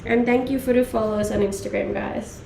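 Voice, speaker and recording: A young woman from Denmark with a mixed Danish and Australian accent, chatting casually with stream viewers, relaxed and laughing, a little under the weather. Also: fairly high pitch, moderate pace, vocal fry, roomy sound, very noisy. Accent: Danish-Australian mix. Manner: relaxed, laughing, many fillers. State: a little sick. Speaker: livestreamer. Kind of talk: casual chat reading viewer questions.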